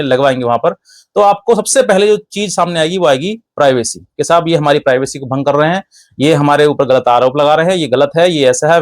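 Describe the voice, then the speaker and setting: A man's voice: on the high side, no room sound. A man giving an explanatory legal talk to viewers, instructive and emphatic, often repeating and listing points. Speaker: legal advice presenter.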